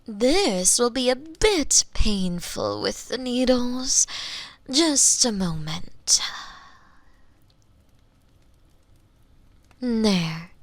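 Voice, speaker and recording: A woman playing a smug, menacing female mad scientist in a theatrical ASMR roleplay, condescending and sometimes breathy, close on a binaural microphone. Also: on the high side, big pitch swings, drawn-out words, no room sound, full character voice. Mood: clinical, absorbed. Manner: theatrical, condescending, sighing, slipping into breathy whispers. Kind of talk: roleplay ASMR monologue, spoken to the listener.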